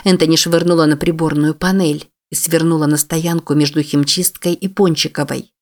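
An audiobook narrator reading a novel in steady scripted narration. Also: medium pitch, normal speed.

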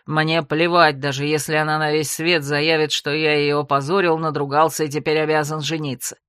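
A woman voicing a sardonic young nobleman with a low, velvety voice, scolding his younger brother in a storybook reading. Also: fairly bright tone, dry recording, studio quality. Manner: biting, sarcastic.

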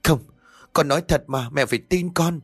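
A man's voice: fairly high pitch, moderate pace, slightly rough, no echo, faint music behind, voice pushed up. A man playing a terrified young daughter. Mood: terrified, pleading. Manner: stammering, pleading, panicky. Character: frightened young woman, a mother's daughter.

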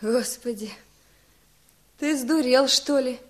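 An anxious village wife in a radio drama. She speaks slowly in a fairly high voice, pleading with pity but holding firm. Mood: alarmed.

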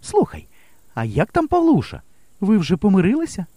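A man voicing a brave, resolute young woman, a village teacher who speaks in a bright, brisk and reassuring way in an audiobook. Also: high-pitched, wildly swooping pitch, no room sound, pitched above the performer's own voice, exaggerated voice. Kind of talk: audiobook character voice.

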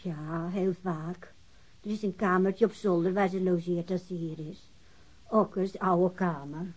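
A woman's voice: lowish voice, fairly even intonation, measured pace, a little mellow, husky, rough recording. A woman acting an aggrieved, caring old grandmother in a radio drama, plain and plaintive. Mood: wistful, aggrieved.

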